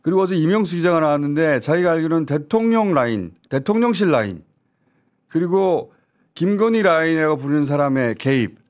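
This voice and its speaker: A man commentating on a news talk show, his voice rising and falling widely as he pushes each point with indignant urgency. His voice sits a little high for a man. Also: animated, fairly quick. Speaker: political commentator.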